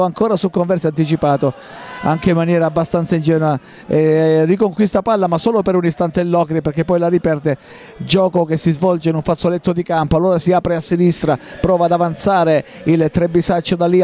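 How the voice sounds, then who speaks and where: A man giving live football play-by-play in clipped running phrases, with pauses between them. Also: sits high, darkish tone. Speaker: football match commentator.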